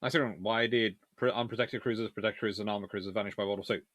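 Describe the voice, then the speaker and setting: A man hosting a casual live question-and-answer stream on naval history, chatty and animated, talking in a stop-start way with trailing asides. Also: lowish voice, fast talker, no room sound. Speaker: livestream host answering viewer questions.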